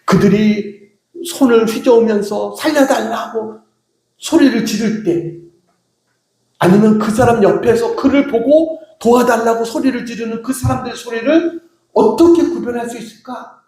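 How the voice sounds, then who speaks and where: A man's voice: extremely high pitch, normal speed, mellow, roomy sound. A male pastor giving an earnest sermon, raising his voice as he repeats cries for mercy. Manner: earnest preaching, quoting cries with rising emphasis.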